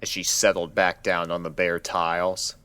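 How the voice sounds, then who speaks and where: A man's voice: deep voice, level tone, moderate pace, bright, forceful tone, clean tone. A man reading fiction aloud as the narrator, in a scripted storytelling style.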